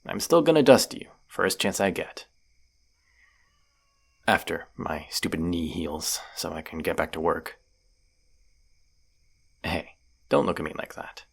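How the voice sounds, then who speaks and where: A man's voice: deep voice, measured pace, vocal fry, pauses often, slightly rough, full character voice. A man playing a stubborn, injured vampire hunter in an audio drama, grumbling sarcastic banter. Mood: teasing, defiant. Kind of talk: scripted roleplay audio drama.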